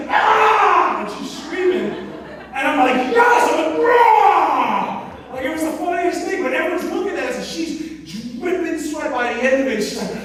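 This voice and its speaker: Energetic man speaking in an echoey hall. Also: high-pitched. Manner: energetic, storytelling with asides. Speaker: motivational speaker. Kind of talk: live presentation to an audience. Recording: echoey hall, mic at a distance.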